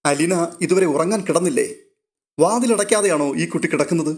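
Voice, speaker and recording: A man reads as a kindly old grandfather in a storybook, slow, patient and soothing. His voice sits a little high and stays warm but firm. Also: close to an everyday voice. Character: old grandfather, calm and gently protective.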